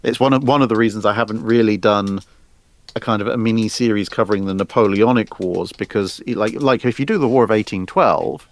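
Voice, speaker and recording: A man's voice: on the low side, a little fast. A man chatting casually and unscripted about history as a co-host, telling it like a jokey storyteller. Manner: jokey storyteller, acts out mock announcements. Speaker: co-host commenting on naval history.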